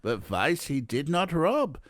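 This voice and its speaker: A man's voice: fairly high pitch, big pitch swings, slow, no room sound, pitched above the performer's own voice. A man voicing a haughty, boastful old gem dealer from a storybook, with a heavy European accent and formal, emphatic speech. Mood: proud, defiant. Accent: heavy foreign European. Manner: emphatic, formal, imperious phrasing.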